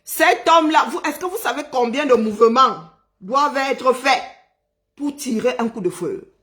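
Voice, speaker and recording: A man's voice: very high voice, animated, normal speed, sharp tone. Angry man ranting live. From Cameroon. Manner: indignant, emphatic, repeats phrases for force. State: agitated. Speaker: live streamer. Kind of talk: angry live-stream rant.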